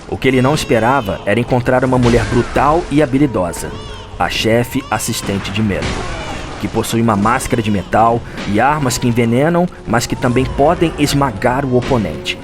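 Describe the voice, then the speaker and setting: A man with a Brazilian accent, giving dramatic scripted narration of a fantasy game story. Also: medium pitch. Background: music.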